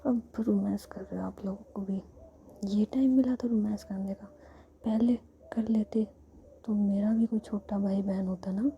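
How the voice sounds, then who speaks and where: A woman's voice: medium pitch, steady tone, moderate pace, dark tone, dull audio, a little hiss or hum, natural voice. A woman whispering the part of a cheeky, teasing young woman in a told story. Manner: whispered, playful banter.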